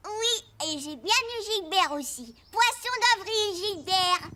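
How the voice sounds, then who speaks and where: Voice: very high voice, expressive, slow pace, pushed and bright, faint music behind, exaggerated voice. An actor voicing a curious, playful four-year-old boy in a French-dubbed preschool cartoon. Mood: gleeful, mischievous. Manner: eager, childlike, playful. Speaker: main character of a children's cartoon.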